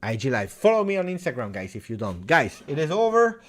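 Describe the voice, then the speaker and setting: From Italy and speaking with an Italian accent, though his first language is French, a man hosts a live football fan stream and reads out viewer comments. His talk is casual, brisk, and sing-song, and he chats freely and greets viewers by name. He swings from loud cheers one moment to low mutters and mumbles the next.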